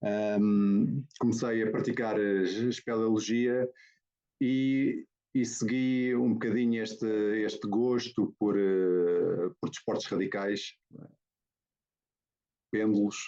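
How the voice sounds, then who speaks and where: A lowish, dark-toned man speaking with a European Portuguese accent. He talks his way through a slide presentation, stopping and restarting often as he goes. The sound is dull and lo-fi, like a video call. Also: flat delivery, slow pace. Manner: hesitant, many fillers and restarts. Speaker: guest photographer.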